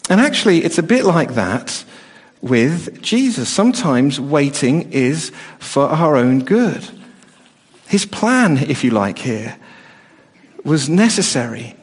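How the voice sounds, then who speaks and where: A man's voice: a little high, big pitch swings, takes it slowly, husky. A middle-aged man preaching a sermon, earnest, often restarting and repeating words as he talks. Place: church hall. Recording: long reverb of a hall.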